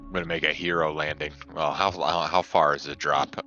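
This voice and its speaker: Tabletop player, male, rumbling low and hard-edged, deadpan joker, dull audio. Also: moderate pace. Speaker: player in a tabletop roleplaying game. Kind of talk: casual joking game chat. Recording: lo-fi mic with faint music.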